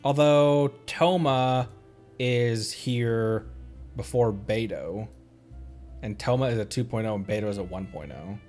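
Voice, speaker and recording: A man livestreams gameplay, speaking a little slowly in a mid-range voice. His talk is casual and meandering, thoughts spoken aloud, over soft game music.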